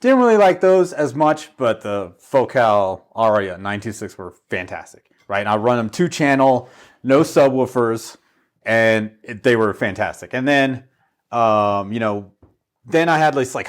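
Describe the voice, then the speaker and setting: A man with a medium-pitched voice gives a casual tour of his gear at home. He talks in a loose, rambling, slangy way, like an enthusiast telling stories. The setting is a living room. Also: animated, measured pace. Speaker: home theater enthusiast giving a walkthrough. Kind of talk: casual gear walkthrough chat.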